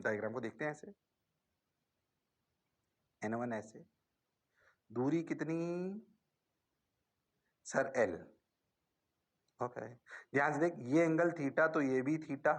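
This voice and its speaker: Middle-aged male physics teacher, Rajasthani accent, high-pitched, lively online lecture. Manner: animated, answers his own questions as the students.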